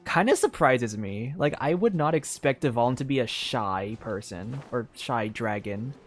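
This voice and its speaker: With a very deep, expressive voice and a slightly slow pace, a woman streams her gameplay live, commenting casually and swearing and exclaiming without restraint. Game music plays faintly behind her.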